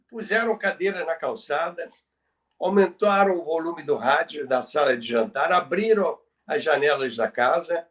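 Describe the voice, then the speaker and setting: Older Brazilian man, higher-pitched, slightly distant. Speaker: podcast host. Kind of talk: reminiscing talk on radio history. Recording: somewhat distant from the mic.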